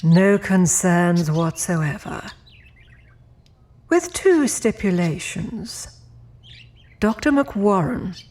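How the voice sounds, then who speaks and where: A woman playing a genteel, imperious female demon in an audio drama, speaking formally with cool, measured politeness. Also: lowish voice, darkish tone, heavily acted. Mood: firm, courteous.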